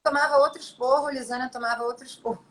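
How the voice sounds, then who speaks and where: A middle-aged actress chatting as an interview guest, telling her stories in an animated, expressive way. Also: high voice, very fast, rough recording. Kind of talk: casual storytelling interview.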